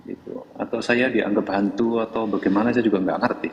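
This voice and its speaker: A man making measured, formal arguments in an online religious debate. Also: fairly low pitch, steady tone, in a large hall, muffled recording. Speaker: debate participant.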